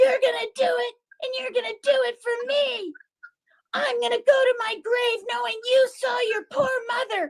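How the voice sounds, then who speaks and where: Doing a put-on character voice, a woman speaks at an extremely high pitch. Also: moderate pace. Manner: demanding, emotional.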